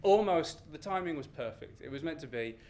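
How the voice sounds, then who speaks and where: A British man telling an animated, ranting comic story live on stage, exasperated, self-deprecating and sweary. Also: a little high, brisk. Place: live storytelling event with room ambience. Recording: noisy live venue recording.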